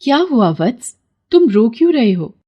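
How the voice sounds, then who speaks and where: A stern goddess of a pond speaks with commanding authority, as a woman voices her. Her voice has a lively, swooping melody. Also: on the high side, moderate pace, lo-fi sound, voice pushed up. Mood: kind. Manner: commanding, scolding.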